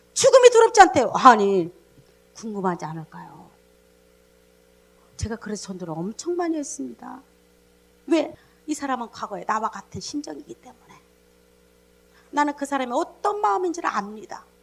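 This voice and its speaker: With very wide pitch swings and big swings in loudness, a woman speaks in a high pitch at a moderate pace, leaving long, frequent pauses. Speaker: pastor. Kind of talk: sermon. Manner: speeds up when excited; sometimes broken, halting phrasing.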